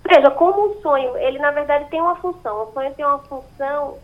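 A woman's voice: high voice, fast. Woman on a muffled landline phone. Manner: explanatory, hesitant fillers. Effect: over a landline phone. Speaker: neurologist guest on phone. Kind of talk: radio interview answers.

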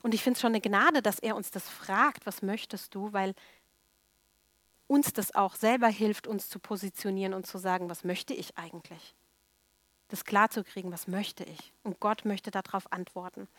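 A woman's voice: medium pitch, fairly even intonation, moderate pace, fairly bright tone, no echo. A woman preaching a sermon emphatically, repeating key words for stress.

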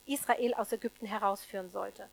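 A woman preaching a sermon to a congregation, emphatic, swinging between loud stresses and hushed asides, with rhetorical questions to the listeners. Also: medium pitch, steady tone, brisk, gravelly, rough recording.

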